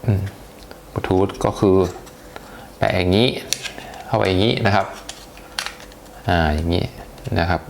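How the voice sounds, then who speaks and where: Male tech reviewer, low gravelly voice, chatty unboxing, faint hiss behind. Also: measured pace, long pauses. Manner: chatty, hesitant, lots of polite particles.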